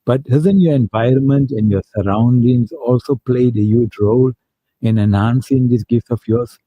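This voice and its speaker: Male co-host, mellow voice, dry close mic, asks careful probing questions. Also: medium pitch, no echo, rough recording. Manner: measured, inquiring. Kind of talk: interview questions.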